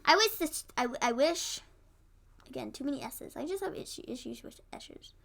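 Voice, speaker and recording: Bright high-voiced woman chatting about wrestling. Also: expressive, moderate pace, vocal fry. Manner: chatty, laughs often, acts out quotes. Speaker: podcast co-host. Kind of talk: casual wrestling recap chat.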